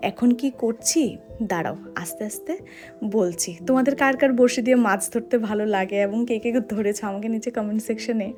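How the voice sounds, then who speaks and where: A woman's voice: medium pitch, a little fast, a little mellow, soft background music. A woman chatting informally to viewers and her companion on a village vlog, often directing others around. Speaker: vlogger and host. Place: outdoors in a village.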